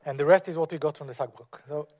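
The muffled, lo-fi sound suggests a recorded lecture: an architect presenting to an audience in non-native English. His voice is slightly high with a darkish tone, and his delivery is halting, with many fillers and restarts.

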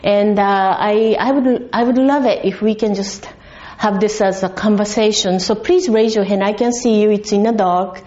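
A woman gives a guest lecture to a full hall, her voice mellow and warm. She talks chattily, restarting phrases and polling the audience. The sound is a bit dull and lo-fi. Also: medium pitch, steady tone, normal speed, few pauses. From Japan. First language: Japanese. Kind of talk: conference talk to an audience.

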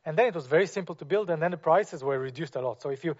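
A man's voice: fairly high pitch, rapid-fire, a little mellow. Hesitant man giving an architecture talk. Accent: non-native English speaker. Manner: hesitant, many fillers and restarts. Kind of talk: presentation to an audience. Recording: muffled, lo-fi.

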